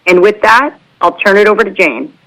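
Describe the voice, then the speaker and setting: A woman's voice: medium pitch, normal speed, a bit bright, poor audio. A woman reading a formal scripted introduction as an investor relations officer on a company earnings call. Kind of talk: scripted corporate announcement, formal.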